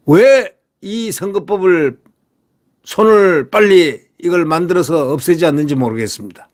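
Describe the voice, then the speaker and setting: A man with a somewhat high voice hosts his own political commentary show. He speaks emphatically, fires rhetorical questions at his viewers, and keeps repeating his catchphrases.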